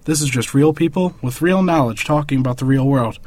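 A man's voice: fairly high pitch, fairly quick, darkish tone, dry recording. A man conducting a casual interview, asking plain, simple questions and giving brief acknowledgements.

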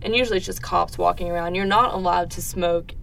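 Young woman with a creaky, low voice. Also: steady tone, fairly quick, fairly bright tone. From Netherlands. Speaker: interview guest. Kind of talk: casual interview answers. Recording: distant mic, faint background noise.

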